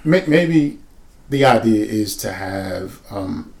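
A man co-hosting a casual comedy podcast, riffing loosely and tossing in quick joking asides. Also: fairly low pitch, lively intonation, darkish tone. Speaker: podcast co-host.

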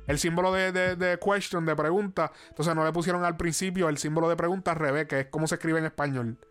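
Rambling man, fairly high voice. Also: fairly even intonation, quick pace, a bit bright, soft background music. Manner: rambling, restarts often, swears casually. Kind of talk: casual chat.

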